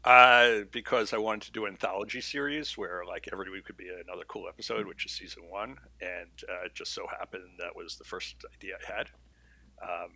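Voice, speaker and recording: A man's voice: low-pitched, brisk, gravelly, bright, forceful tone, no room sound, poor audio. A man speaking as an interview guest, off-the-cuff and teasing. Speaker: guest, series creator and writer. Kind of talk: casual interview chat.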